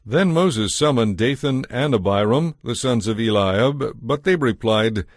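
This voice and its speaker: A man narrating scripture from a script as a storyteller, in a measured, solemn way. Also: medium pitch, expressive, no echo, clean studio sound.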